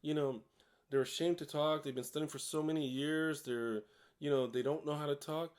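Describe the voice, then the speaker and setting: A man's voice: on the high side, steady tone, moderate pace, darkish tone. A man giving a casual bilingual video lesson as an English teacher. He makes each point in Portuguese and then repeats it in English, in a frank, encouraging, chatty way.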